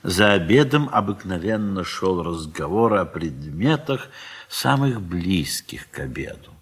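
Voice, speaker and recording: A man with a deep, roughened voice narrates classic prose for an audio play. His delivery is measured and scripted, that of a storyteller. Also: very animated.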